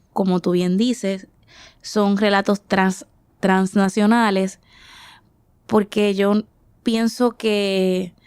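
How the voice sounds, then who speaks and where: Thoughtful Dominican-born woman, smooth voice. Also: medium pitch, darkish tone, no echo, clean studio sound. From Dominican Republic. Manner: thoughtful, searching for words, frequent restarts. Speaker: artist guest. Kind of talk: reflective interview answers.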